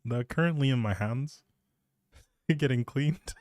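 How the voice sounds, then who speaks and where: A man's voice: medium pitch, unhurried, a little mellow, dry recording. A man chatting casually as a live streamer, rambling in a playful, self-deprecating way into a close microphone.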